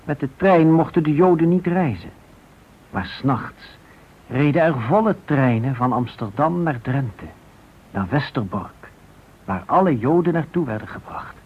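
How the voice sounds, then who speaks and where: Husky male narrator, thin old radio sound. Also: a little high, expressive, highs cut off. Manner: grave, deliberate storytelling with pauses. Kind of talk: dramatic scripted radio narration.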